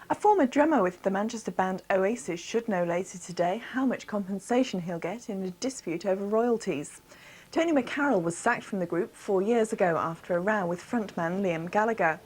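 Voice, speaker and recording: A woman's voice: mid-range voice, a little mellow. Woman reading the regional news, formal. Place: television news studio.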